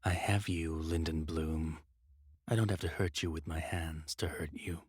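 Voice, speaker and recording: A man playing a cruel, stormy-tempered dark mage master in an audio drama, speaking slowly with quiet threat in a husky, breathy voice. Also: a bass voice, steady tone, no echo, studio quality, exaggerated voice. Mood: cold menace. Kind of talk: dramatic fan-fiction audio acting.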